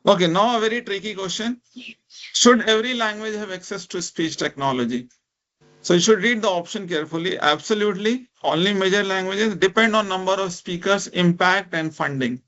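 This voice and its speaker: Indian guy teaching an online class, non-native english with indian accent, gravelly fry in his voice, slightly muffled audio, says right and you know a lot. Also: high-pitched, fairly bright tone. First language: a minority language of India. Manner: informal, encouraging, repeats "right?" and "you know". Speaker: lecturer, speech technology researcher. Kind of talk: interactive online lecture.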